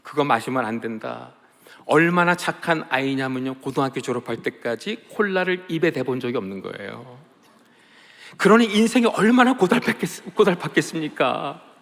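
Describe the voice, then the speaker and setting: Pastor guy preaching, emotional storytelling, loud then hushed, slightly high voice, big hall echo. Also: big pitch swings, moderate pace. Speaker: pastor and missionary. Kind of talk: sermon. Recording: long hall reverb.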